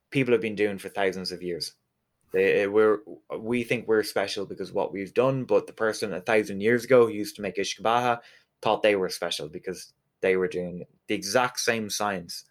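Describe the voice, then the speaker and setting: A man from Galway with a west of Ireland accent, explaining things conversationally as an interview guest. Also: lowish voice. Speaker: interview guest, whiskey distillery representative.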